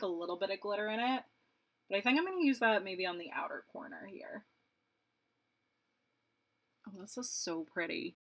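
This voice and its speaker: Young woman, beauty vlogger, rambling makeup chat, bright tone, slightly low voice. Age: 20s. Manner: rambling, chatty, laughs often. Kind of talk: casual chat while doing makeup.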